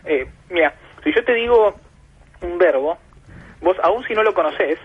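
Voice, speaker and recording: Husky Argentine man on a phone line. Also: high-pitched, animated, normal speed. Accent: Argentine Spanish. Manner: patient, professorial, builds points with examples. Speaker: guest expert. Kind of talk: explanatory radio interview. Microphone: telephone. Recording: muffled phone line on radio.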